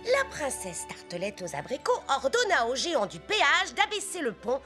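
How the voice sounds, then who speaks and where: Soft girly storybook voice, measured and expressive, cartoon fairy tale with music under it. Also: high-pitched, heavily acted. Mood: dramatic, gentle. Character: gentle young girl storyteller reading fairy tales to little ones. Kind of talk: storybook narration in a children's cartoon.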